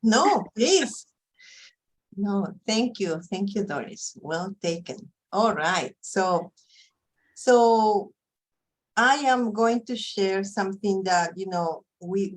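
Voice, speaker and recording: A woman's voice: medium pitch, poor audio. A woman from Peru with a thick Peruvian Spanish accent, leading an online training session in a conversational way with many fillers. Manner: conversational, frequent "you know" fillers.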